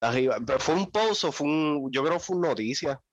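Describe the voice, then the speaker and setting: A man's voice: on the high side, lively intonation, brisk, a little hiss or hum. A man co-hosting a casual chat, laid-back and answering with short reactions.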